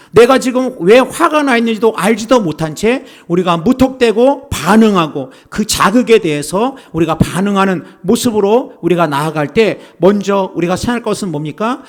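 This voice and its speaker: High-pitched guy preaching sunday sermon, earnest, keeps talking right to the congregation. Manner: earnest preaching, often addresses the congregation directly. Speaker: pastor. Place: church service.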